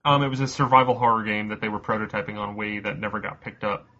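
Husky, bright-voiced man hosting a podcast quiz. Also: fairly low pitch, steady tone, lo-fi sound. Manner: reads questions slowly, swears casually, laughs often. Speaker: quiz host. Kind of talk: casual podcast quiz banter.

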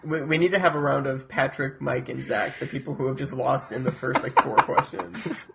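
Gravelly-voiced man rambling apologetically. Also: medium pitch, moderate pace, heavy background noise. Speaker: podcast panelist. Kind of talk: casual podcast chat.

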